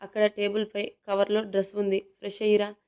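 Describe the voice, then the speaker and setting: A storybook's brusque young man snaps out curt, stern orders, as a woman reads him. The voice stays smooth and clear, with almost no rise or fall in pitch. He sounds impatient rather than loud. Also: completely flat delivery, a little fast, close to an everyday voice.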